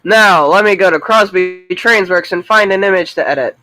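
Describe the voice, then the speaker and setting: High-voiced male streamer, rambling, stammering, casual self-narration. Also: normal speed, sharp tone, low-quality recording. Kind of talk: casual live-stream chatter.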